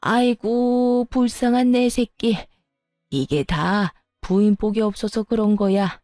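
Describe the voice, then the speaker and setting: A woman's voice: mid-range voice, fairly even intonation, slow pace, dark tone, dry recording, clean studio sound, soft background music, lightly acted. A woman voicing a whiny, scolding older mother-in-law in a narrated family story. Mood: whining. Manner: whining, indignant.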